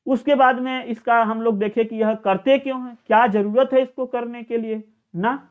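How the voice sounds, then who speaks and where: A man teaching an exam-prep lecture, chanting verses slowly and often repeating and restarting phrases. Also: extremely high pitch, fairly even intonation, smooth. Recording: tinny phone-like sound.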